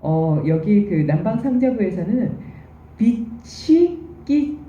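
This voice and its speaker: A woman's voice: lowish voice, very animated, normal speed, mellow. A woman giving a recorded university lecture, explaining terms patiently and step by step. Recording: echoey, distant, dull room recording.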